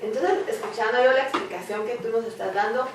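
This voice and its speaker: A woman's voice: on the high side, a little fast, noisy background. A woman in a Bible study group asking a question, thinking aloud with hesitant restarts. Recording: very echoey room, voice heard from a distance.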